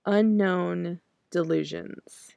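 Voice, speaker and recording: A woman in her thirties, raspy from clearing her throat, reading her own poems slowly and then talking about them hesitantly with many fillers and restarts. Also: lowish voice, dark tone, no room sound, dull audio. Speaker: podcast host reciting her poems. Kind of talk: poetry reading and casual reflection.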